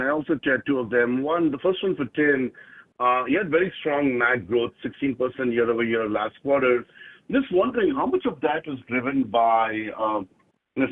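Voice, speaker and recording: A man calling in as a financial analyst, asking questions on an earnings call. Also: mid-range voice. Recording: tinny, narrow phone line.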